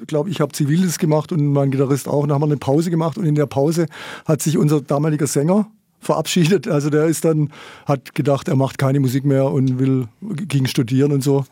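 A man in his fifties, a band founder and musician, easygoing and quick to laugh in a casual radio interview. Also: on the high side, steady tone, warm tone, husky, no room sound, clean studio sound.

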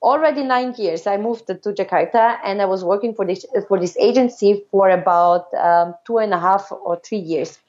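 Woman guest telling her story, halting. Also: medium pitch, darkish tone, muffled recording. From Austria. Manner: halting, many fillers and restarts. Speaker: podcast guest. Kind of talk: casual interview storytelling.

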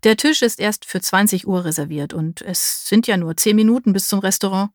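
A woman's voice: medium pitch, fairly quick, no room sound, studio quality, lightly acted. A woman voicing a cheerful young man, the playful boyfriend in a romance audiobook, teasing and upbeat.

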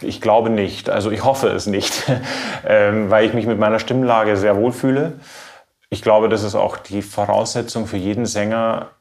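Creaky, low-voiced man, thoughtful and measured. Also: fairly even intonation, darkish tone, slight background noise. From Bavaria, Germany. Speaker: classical baritone singer being interviewed. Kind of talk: reflective interview answers.

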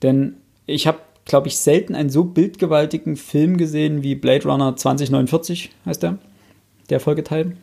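A man's voice: a little high, fairly even intonation, moderate pace, creaky, mellow. A man in casual podcast chat, thinking aloud with frequent restarts and enthusiastic recommendations, close on a studio mic.

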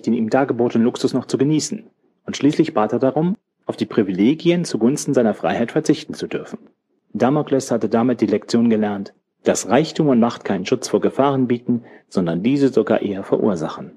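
A man voicing a learned old man who explains a legend in a measured, lecturing way. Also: medium pitch, lively intonation, mellow, slightly rough. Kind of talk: audiobook character voice.

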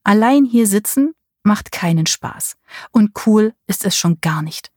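Eine Frau liest eine eifersüchtige, verliebte junge Frau mit bissigem, sarkastischem Ton. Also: female voice, mid-range voice, animated, unhurried, darkish tone, dry recording, clean studio sound. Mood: brooding, sarcastic. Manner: biting, sarcastic. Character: jealous young woman in love, sharp-tongued.

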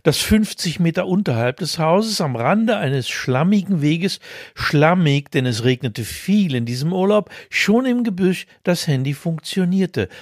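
A man reads his comic story in a dry, self-mocking tone and then slips into casual chat. His voice sits somewhat high for a man. The recording is close and dry, with little room sound. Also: expressive, a little slow, no room sound. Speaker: podcast co-host. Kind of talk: reading his own humorous column, then casual chat.

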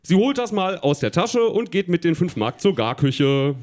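A man reads a children's story aloud with a lively, wandering melody, chuckling as he goes. His voice sits a little high for a man, and he sometimes trips over a word before setting it right. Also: moderate pace. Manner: chuckling, stumbling over words, addressing listeners.

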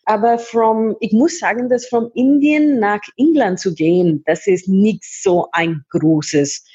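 A woman's voice: mid-range voice, slow pace, dark tone, slightly rough, highs cut off. A woman from India, Hindi native, telling her life story in an interview, often restarting and repeating words. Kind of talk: casual interview talk.

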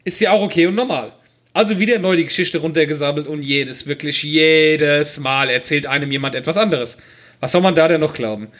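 A man's voice: on the high side, fairly quick, a bit bright. A man co-hosting a podcast in casual chat, jokey and laughing often as he reads listener mail aloud.

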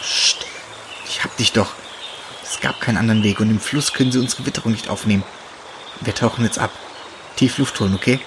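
A man voicing a friendly young male forest animal who guards his patch of woods, speaking calmly and reassuringly, with crickets and birds behind. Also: on the low side, quick pace, noisy background, close to an everyday voice.

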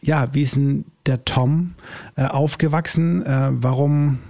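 A man hosting a podcast interview, talking in a friendly, halting way with many fillers. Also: mid-range voice, fairly even intonation, creaky, warm tone, no room sound. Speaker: podcast host. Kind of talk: casual interview chat.

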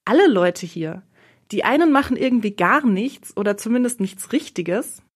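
A woman's voice: medium pitch, animated, normal speed, husky. A dutiful, stressed young woman in a storybook reading, voiced by the narrator. She answers defensively and grows indignant. Her inner thoughts come out brooding. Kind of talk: audiobook role reading.

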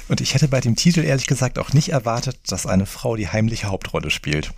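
A man's voice: mid-range voice, very animated, a little fast, no room sound. A man hosting a podcast, interviewing an author and signing off with fillers here and there. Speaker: podcast host.

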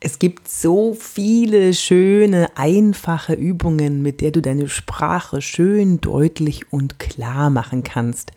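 A woman from Franconia hosting a coaching podcast, animated and emphatic, with whispered asides. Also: deep voice, takes it slowly, few pauses. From Franconia, Germany. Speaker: podcast host and body-language coach.

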